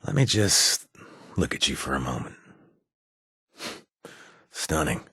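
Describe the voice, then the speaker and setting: Husky, roguish wasteland companion. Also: male voice, very deep voice, lively intonation, takes it slowly, sharp tone, no echo, studio quality, full character voice. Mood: tender, flirtatious. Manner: hesitant, teasing, conversational drawl. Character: roguish flirtatious male wasteland companion, sly and affectionate. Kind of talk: video game companion dialogue.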